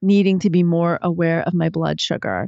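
In a normal speaking voice, a woman talks at a moderate pace. Her pitch is fairly low. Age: 50s. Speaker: physician and midwife. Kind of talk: interview.

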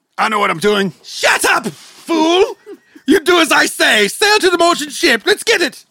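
In a put-on character voice, the speaker goes extremely high in pitch with very wide pitch swings. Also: moderate pace. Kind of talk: pirate voice. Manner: bossy, dismissive.

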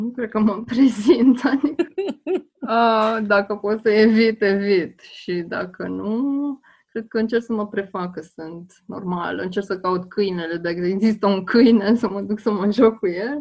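At a very slow pace, a woman talks at a medium pitch with ordinary pitch variation against a quiet background. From Romania, Craiova (Oltenia). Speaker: playwright. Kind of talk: interview.

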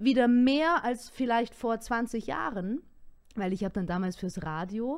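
A woman with a plain, everyday voice speaks at a fairly slow pace in a fairly high pitch with lively intonation. The recording is very clean, with a silent background. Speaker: podcast co-host. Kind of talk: casual chat.

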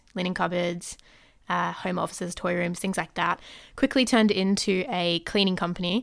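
The recording is very clean, with a silent background. The pace is moderate and the pitch variation ordinary. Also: woman. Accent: Australian. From Australia. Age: 20s. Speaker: podcast host and small business owner. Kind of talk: casual solo monologue. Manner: animated.

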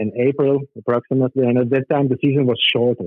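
A man with a Czech accent speaks at medium pitch and a moderate pace. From Czech Republic, Kladno. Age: 50s. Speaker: former ice hockey player and tennis coach. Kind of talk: interview. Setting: phone call. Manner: halting, many repeated words.

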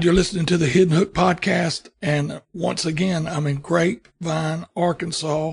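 Man with a Southern US accent, high pitch, fairly even intonation and a fairly slow pace. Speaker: podcast host and storyteller. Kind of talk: scripted intro; casual interview.

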